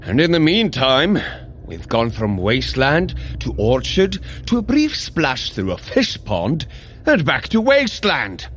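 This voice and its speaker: An actor playing a hearty, plain-spoken warrior god in an audio drama, with a deliberate, formal, bluntly skeptical manner. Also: male voice, mid-range voice, wildly swooping pitch, a bit bright, slight background noise. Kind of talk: scripted audio drama acting.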